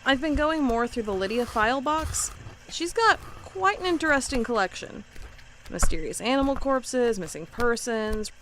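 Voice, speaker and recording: A woman's voice: a little high, expressive, normal speed, a bit bright, a little hiss or hum, poor audio. A woman playing a wry, curious investigator who records a log and reads old case files in an audio drama. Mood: wry, intrigued.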